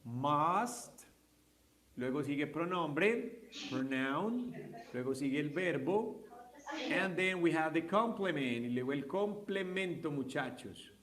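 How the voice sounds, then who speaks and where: A man's voice: fairly high pitch, animated, unhurried. A man teaching English grammar to a class, explaining step by step, mixing Spanish with English examples and often asking "¿sí?" to check understanding. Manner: patient, step-by-step, asks students checking questions.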